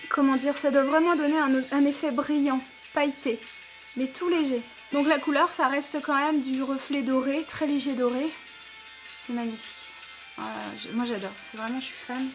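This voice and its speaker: A high, bright-sounding woman with a French accent talks in an eager, chatty way, often pausing on fillers. She reviews beauty products for her viewers. Music plays clearly behind her voice. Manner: enthusiastic, chatty, many fillers. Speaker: beauty vlogger.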